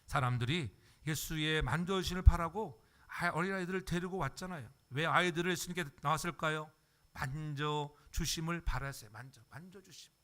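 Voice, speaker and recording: A man's voice: fairly high pitch, normal speed, fairly bright tone. An older man preaching a sermon as pastor, acting out everyday voices and checking in with the congregation. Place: church sanctuary.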